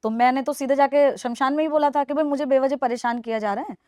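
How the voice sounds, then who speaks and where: A young woman in her 20s from Delhi, India, answers podcast interview questions in an earnest, persuasive way, coming back to her points again and again for emphasis. She talks fast with a fairly high, darkish voice and fairly even intonation, and the recording is close and dry with no echo.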